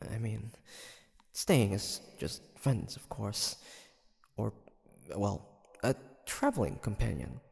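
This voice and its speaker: Man playing a husky, brooding demon hunter. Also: on the low side, big pitch swings, long reverb tail, full character voice. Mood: wistful, flustered. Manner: hesitant, halting, sighing soliloquy. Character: brooding, guarded young male demon hunter in 1853. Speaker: voice actor. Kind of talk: intimate audio roleplay drama.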